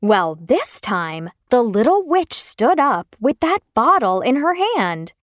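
A woman narrating a children's story in an expressive, exclamatory storytelling manner. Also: on the high side, slow, no echo, studio quality.

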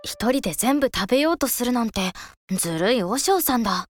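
Actress as a quick-witted young boy monk; high, lively, polite and cheerful, light music underneath. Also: lightly acted. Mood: mischievous. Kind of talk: children's folk tale audio drama.

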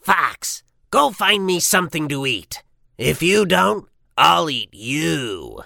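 An actor voicing a big, bossy, greedy male wolf in a children's cartoon story, gruff and threatening. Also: mid-range voice, sing-song, slow pace, pushed and bright, no room sound, clean studio sound, full character voice. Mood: bossy threat. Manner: gruff, threatening, gobbling and boasting.

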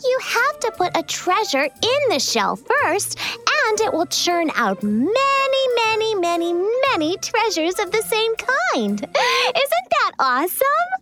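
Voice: extremely high pitch, wildly swooping pitch, takes it slowly, over music, exaggerated voice. A performer voicing a cheerful young female mermaid in a children's cartoon, giggly and sing-song. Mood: excited. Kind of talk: cartoon voice acting.

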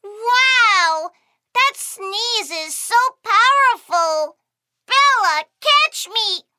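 A woman voicing an excited little girl princess who squeals and giggles, in a children's cartoon. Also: very high-pitched, drawn-out words, heavily acted. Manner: squealing, giggly, wide-eyed.

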